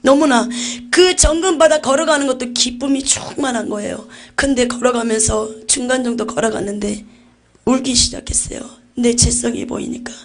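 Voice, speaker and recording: A woman's voice: on the high side, moderate pace. Fervent woman pastor, Jeolla accent. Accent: Jeolla Korean. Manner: fervent, swings from hushed whispers to shouts. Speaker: pastor giving testimony. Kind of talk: emotional testimony to a congregation.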